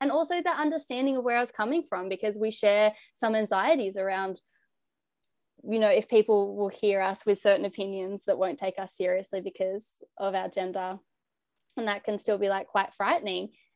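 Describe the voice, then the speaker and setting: A woman with an Australian accent talks at a fairly quick pace, her pitch varying in an ordinary way. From New South Wales, Australia. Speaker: sports commentator. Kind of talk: casual chat.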